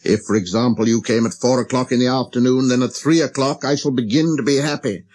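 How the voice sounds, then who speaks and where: A man voicing a lonely, gentle wild fox in a storybook, speaking slowly and earnestly with hesitant pauses. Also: mid-range voice, close to an everyday voice. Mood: patient, instructing. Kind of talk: storybook character reading.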